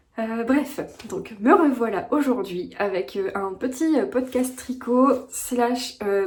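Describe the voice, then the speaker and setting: Speaking at a very slow pace, a woman uses a high pitch and lively intonation, with noticeable background noise and audible room echo. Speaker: knitting podcaster and yarn dyer. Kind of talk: casual vlog chat. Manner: halting, with many filler words; articulating more carefully.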